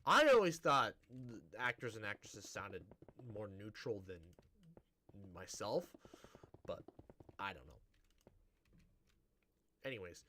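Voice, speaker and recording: Lively Midwestern American man rambling. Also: fairly low pitch, slow pace, pauses often, a little hiss or hum. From Great Plains, United States. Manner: rambling, chatty, restarts his sentences. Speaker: gaming streamer. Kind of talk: casual chat while live-streaming a game.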